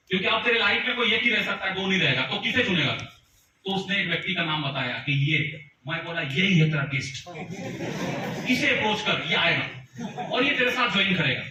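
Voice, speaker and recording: A man's voice: sits high, muffled recording. A man giving a storytelling speech to a live audience at a business meeting, animatedly acting out the dialogue in changed voices. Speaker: motivational speaker at a business meeting. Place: large meeting hall with audience. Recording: echoey hall, distant mic, noisy.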